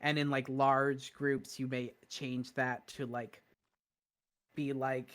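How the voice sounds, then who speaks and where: A woman's voice: extremely low pitch, little pitch movement, slow pace. A woman co-hosting a stream, thinking aloud in casual chat about a book she has been reading. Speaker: streamer and co-host.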